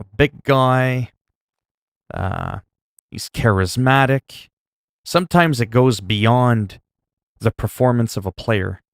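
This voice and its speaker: Man, low gravelly voice, dry close sound, rambling gameplay chat. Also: no echo. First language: French. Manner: rambling, self-talk with laughs and asides. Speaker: gaming streamer.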